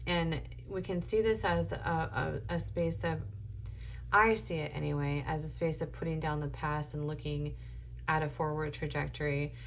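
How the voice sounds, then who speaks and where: A woman with a low, slightly hoarse voice talks through a tarot spread. She meanders and thinks aloud, filling pauses with ums. A faint hum sits under the recording. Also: fairly even intonation, low-quality recording. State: voice going hoarse. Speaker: tarot reader. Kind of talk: casual spoken tarot reading.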